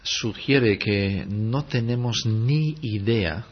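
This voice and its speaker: A man preaching a sermon slowly and deliberately, acting out quotes for emphasis. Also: fairly low pitch, breathy edge. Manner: slow, deliberate preaching with dramatic acted quotes. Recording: dull lo-fi recording.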